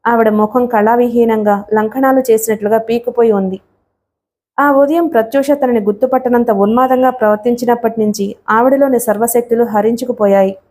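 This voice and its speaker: A woman narrating a novel for an audiobook, steady and expressive in her storytelling. Her voice sits slightly high with a mellow, soft-edged tone. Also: a little fast.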